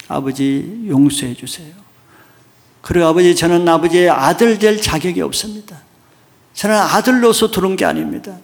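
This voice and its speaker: A preacher voicing a remorseful son pleading softly. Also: male voice, on the high side, creaky, exaggerated voice. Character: remorseful young son begging his father.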